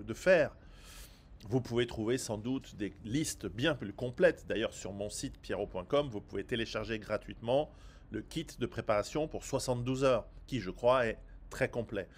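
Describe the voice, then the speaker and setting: A man whose first language is not French, hosting a survival commentary. He speaks at a middling pitch in a rambling, animated way, breaking off and restarting his sentences and slipping in sarcastic asides. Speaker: survival author and video host. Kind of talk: direct-to-camera commentary.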